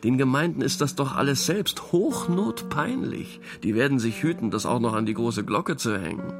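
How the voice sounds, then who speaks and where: A skeptical man brushes off claims with a knowing tone, as a man acts him out. His voice is gravelly, with clear music behind it in the radio play. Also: medium pitch, expressive, normal speed, close to an everyday voice. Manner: dismissive, knowing. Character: skeptical man debating a case.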